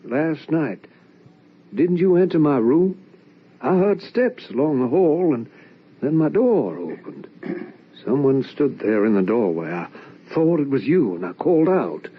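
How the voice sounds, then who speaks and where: An actor playing an anguished, probing young son in an old-time radio drama, with earnest, theatrical, questioning delivery. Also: male voice, fairly high pitch, sing-song, measured pace, slightly rough, exaggerated voice. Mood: worried, gentle. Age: young adult. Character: anguished, probing young adult son narrating a ghost tale. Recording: dull, lo-fi old radio recording.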